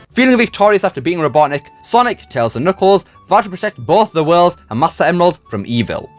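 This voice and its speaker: Fast, animated man reviewing a film. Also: fairly high pitch. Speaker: YouTube film reviewer and host. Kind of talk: scripted narration, movie review voice-over. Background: music.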